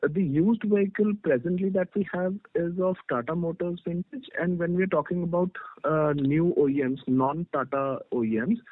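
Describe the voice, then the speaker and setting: A man's voice: a little high, no echo. A man with an Indian accent, an analyst putting questions on a conference call. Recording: dry, narrow phone line.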